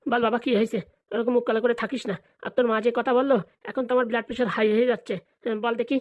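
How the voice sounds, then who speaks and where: A woman's voice: on the high side, flat delivery, highs cut off, close to an everyday voice. A woman voicing a scheming, money-hungry village father in a comedy cartoon, scolding and bantering. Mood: scolding, impatient. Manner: rapid, colloquial, bantering scolding.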